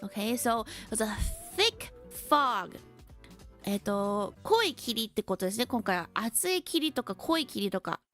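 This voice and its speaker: High-voiced woman teaching English slowly. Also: fairly bright tone. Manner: switches between Japanese and slow, careful English; chatty, laughs often, reads chat comments. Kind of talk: bilingual English lesson stream.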